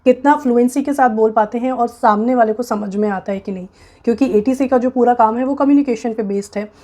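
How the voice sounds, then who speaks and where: Talking fast in a warm, fairly high voice, a woman with an Indian accent hosts a job recruitment guide for viewers. Her informal explanations are frank and emphatic, sprinkled with English phrases.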